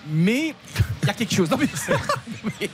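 A man's voice: high voice, wildly swooping pitch, moderate pace, very noisy. A man hosting a radio football show, bantering playfully and mocking himself. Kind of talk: joking studio chat about football.

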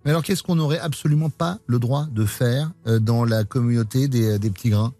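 A man's voice: mid-range voice, a little fast, warm tone. A man hosts a radio show, putting teasing, playful questions to his guest. His voice sits in the middle range, with faint music in the background. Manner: teasing, friendly interviewer. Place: radio studio.

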